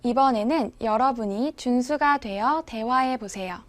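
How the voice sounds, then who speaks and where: A woman's voice: fairly high pitch, moderate pace. A woman teaching a beginners' language lesson, patiently modelling phrases and inviting learners to repeat after her. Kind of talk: slow, clear classroom instruction.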